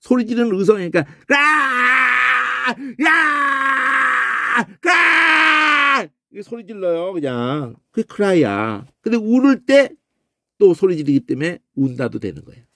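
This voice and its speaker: A man teaching a Bible word-study lecture, animated, often breaking into a questioning "eh?" and imitating crow calls and shouts. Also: sits high, normal speed, no room sound, clean studio sound.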